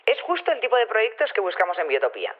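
A woman's voice: mid-range voice, very animated, quick pace. An actress playing an opinionated, chatty woman in charge of a community, talking emphatically and repeating herself over a telephone in an audio drama. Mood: pleased, chatty. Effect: telephone filter. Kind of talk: improvised-sounding phone interview in audio drama. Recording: thin phone-line sound.

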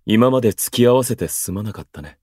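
An actor playing an aloof, eloquent station worker in a voice drama, speaking in florid, pompous, unhurried phrases. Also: male voice, on the low side, expressive, mellow, slightly rough, no echo, clean studio sound. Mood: coolly courteous. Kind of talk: Japanese voice drama acting.

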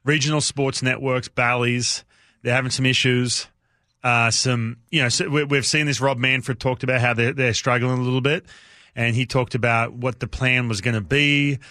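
A man in a studio talks sports on the radio with a bright, sharp tone, upbeat and a bit rambling. The sound is close and dry. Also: medium pitch, fairly even intonation, moderate pace, dry recording. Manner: upbeat, rambling, laughs easily. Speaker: radio co-host guest. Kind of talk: casual radio chat.

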